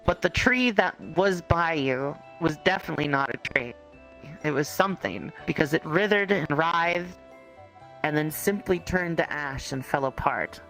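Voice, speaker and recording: A game master with a gravelly, mid-pitched voice narrates an improvised roleplay story. The telling is conversational and halting, addressed straight to the player. Faint music plays behind the voice. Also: pushed and bright, low-quality recording.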